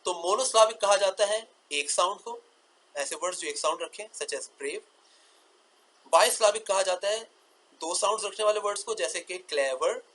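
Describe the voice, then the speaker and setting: A man teaching English grammar in a lecture, repeating key terms as questions and drawing out example words slowly. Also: high-pitched, a bit bright, low-quality recording.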